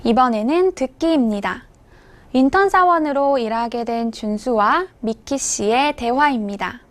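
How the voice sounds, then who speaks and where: A woman language teacher giving scripted instructional narration, with clear, measured enunciation. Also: a little high, lively intonation.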